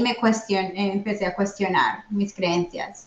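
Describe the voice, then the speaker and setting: At a fairly slow pace, a woman of medium pitch speaks with fairly even intonation. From Colombia. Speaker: real estate agent. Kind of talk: interview with personal testimony. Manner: hesitant, many fillers.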